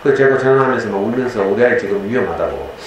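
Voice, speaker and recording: A man's voice: on the low side, animated, rapid-fire, lo-fi sound. A middle-aged man giving a lecture to parents, telling a personal story and acting out the dialogue as he goes. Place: lecture room. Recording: very echoey lecture hall, faint noise.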